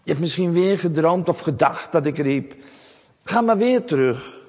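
A man voicing a patient, kindly old male priest in a low, soft voice, in a children's Bible story. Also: animated, moderate pace, long reverb tail. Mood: gentle.

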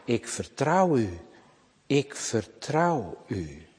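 A desperate biblical king cries out to God in anguished, repeated pleas, his voice pitched higher than usual, as a preacher puts him on. The words come slowly and weightily. A long reverb rings around him. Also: sing-song, a little mellow, slightly rough, heavily acted. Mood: trusting.

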